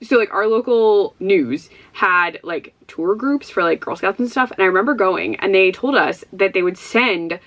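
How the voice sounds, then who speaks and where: A woman's voice: medium pitch, normal speed, hardly any pauses, a bit bright. A young woman from Ohio with a Midwestern accent, chatting casually to camera as a book vlogger, rambling and giggling with lots of fillers. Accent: Midwestern American. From Ohio, USA.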